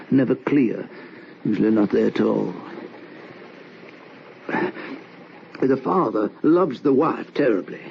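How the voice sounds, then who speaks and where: An actor playing a guilt-ridden, tormented husband confessing to murder in an old-time radio horror drama, halting and repeating his words. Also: medium pitch, vocal fry. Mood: brooding. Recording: noisy, dull old radio recording.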